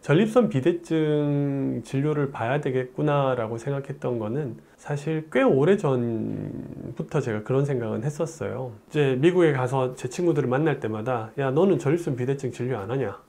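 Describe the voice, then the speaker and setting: A man's voice: medium pitch, moderate pace, creaky, hardly any pauses. A man in his forties, a urologist, talking to camera in a chatty storytelling way in a plain studio on a lapel mic. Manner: animated, gesturing hands, chatty storytelling. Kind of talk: explanatory talk to camera.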